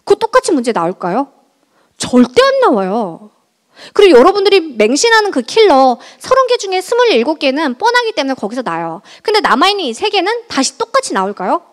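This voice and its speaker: A woman math teacher giving a lively exam-prep lecture to high school students in a large school auditorium, chatty and often checking in with her listeners. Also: a little fast. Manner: chatty, keeps checking in with the audience.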